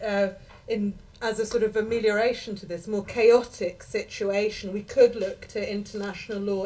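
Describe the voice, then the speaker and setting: Female panel chair, polite and probing, halting delivery, mid-range voice. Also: medium pitch, a little mellow, low-quality recording. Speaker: debate chair. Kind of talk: moderating a panel. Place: conference hall.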